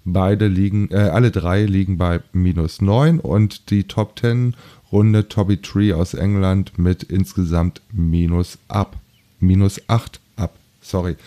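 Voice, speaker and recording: Brisk, low-voiced man recapping golf. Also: fairly even intonation, mellow. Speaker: golf show host. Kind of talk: casual golf results commentary.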